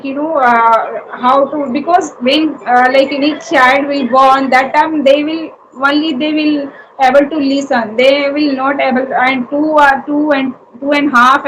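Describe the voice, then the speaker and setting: Hindi-native woman with an Indian accent, high-pitched, halting and filler-heavy; conversation practice, faint hiss behind. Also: a bit bright, rough recording. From Uttar Pradesh, India. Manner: halting, many fillers and restarts. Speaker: homemaker and YouTuber practising English.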